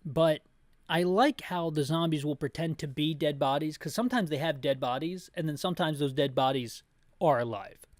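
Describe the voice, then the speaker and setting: A man hosting a descriptive video game playthrough, chatty and tangential, rephrasing himself with playful deadpan humor. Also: on the high side, moderate pace, no room sound. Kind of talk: descriptive video game commentary with rambling opinions.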